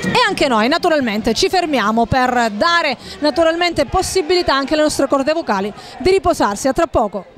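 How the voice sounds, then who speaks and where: Woman football commentator, very high voice, live play-by-play, formal wordy phrasing, hesitant pauses. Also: lively intonation, a crowd in the background, noisy background.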